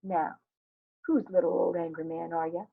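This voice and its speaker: A woman's voice: on the low side, level tone, moderate pace, gravelly, phone-quality sound. A woman voicing a tired, stern but loving young mother, with dry, clipped commands. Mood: teasing.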